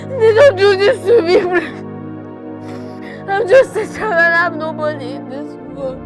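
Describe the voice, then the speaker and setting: A woman's voice: very high voice, expressive, a little slow. A woman playing a grieving orphaned young girl who pleads and sobs over and over. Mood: sobbing, pleading. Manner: repeats pleas, sobbing. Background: music score.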